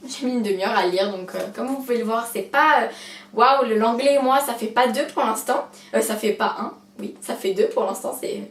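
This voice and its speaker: Chatty young woman, echoey room. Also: fairly high pitch. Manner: chatty, hesitant, lots of fillers, self-mocking. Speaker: book vlogger. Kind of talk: casual chat to camera. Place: room at home beside her bookshelf. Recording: roomy echo, distant mic, faint hiss.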